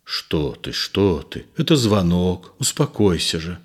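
A man voicing a gentle, nervous middle-aged man in a read-aloud play, low and soft. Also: very animated, slow pace, slightly rough, exaggerated voice. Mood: soothing.

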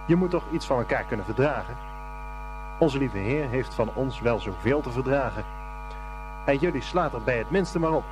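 An actor playing a kindly, pious Catholic brother and headmaster in a radio play, patient and preachy. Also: male voice, mid-range voice, expressive, normal speed, over music, close to an everyday voice. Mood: earnest admonishing.

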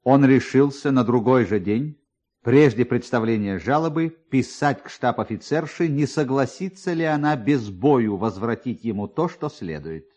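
A man narrating a literary story in an expressive style. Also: medium pitch, normal speed.

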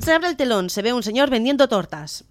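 A woman's voice: a little high, animated, fairly quick, music in the background. Giggly woman telling jokes on radio. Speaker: radio comedy co-host.

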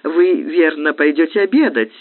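A man's voice: a little high, animated, moderate pace. A man reading as a timid, polite hotel guide. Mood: deferential. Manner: soft-spoken, deferential. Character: thin timid middle-aged male hotel guide, soft and polite. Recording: tinny phone-like lo-fi recording.

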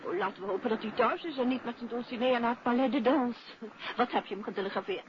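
An actress playing a cheerful, chatty wife of a detective in a 1950s radio drama, teasing and affectionate. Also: female voice, fairly high pitch, fast, lightly acted. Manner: playful, exclaiming, affectionate. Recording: dull, noisy old radio recording.

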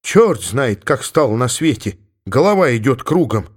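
A man's voice: mid-range voice, big pitch swings, moderate pace, husky. A middle-aged village weaver, played by a man reading a storybook, exclaiming in dismay. His voice sits mid-range, close to the narrator's own. He sounds baffled. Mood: bewildered.

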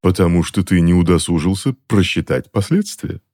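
Brief: male reader as a sarcastic, cold aunt, lazy, icy, fairly low. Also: lively intonation, a little mellow, dry recording, studio quality. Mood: cool, mocking. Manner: cool, mocking, unhurried. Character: cold, sarcastic middle-aged aunt, unsympathetic.

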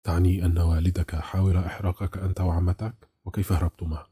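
A man voicing a gentle, sympathetic female radio co-host in an audiobook, speaking softly in his own low, husky voice. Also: level tone, fast. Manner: soft, sympathetic.

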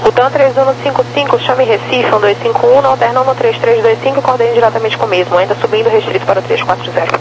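Fast woman controller over two-way radio. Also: fairly high pitch, highs cut off. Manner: rapid, terse, formulaic instructions. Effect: two-way radio transmission. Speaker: air traffic controller. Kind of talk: clipped radio phraseology. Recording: noisy radio channel with hum.

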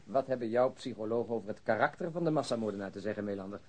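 Wry, opinionated police detective played by an actor. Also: male voice, fairly low pitch, very fast, lightly acted. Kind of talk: radio drama acting.

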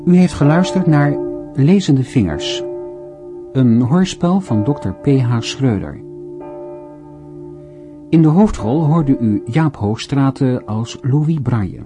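A man formally reading scripted closing credits as the announcer of a radio drama, in a measured manner. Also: medium pitch, expressive, over music.

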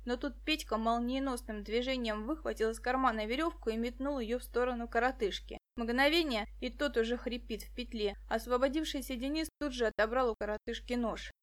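Woman, audiobook narrator, high voice, lively storytelling. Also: fairly quick, few pauses. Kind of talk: scripted narration.

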